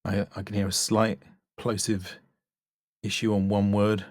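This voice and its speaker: A man giving an off-the-cuff spoken critique as a coach, measured and considered. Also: fairly low pitch, flat delivery, darkish tone, no echo, clean studio sound. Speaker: voice-over coach.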